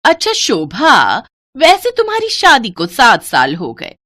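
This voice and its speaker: A woman voicing a nosy, taunting village aunt in a moral story cartoon, with drawn-out, pointed small talk. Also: on the high side, wildly swooping pitch, sharp tone, full character voice.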